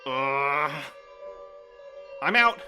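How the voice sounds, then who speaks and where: A man's voice: mid-range voice, expressive, extremely slow, over music. Fussy, nervous timid bookish man. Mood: flustered. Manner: formal, fretful diction. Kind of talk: audio drama acting.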